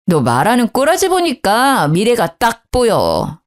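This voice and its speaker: A woman voicing a sarcastic, belittling young husband in a lowered, drawling voice. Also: huge pitch swings. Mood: sneering. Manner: mocking, sarcastic, slow drawl.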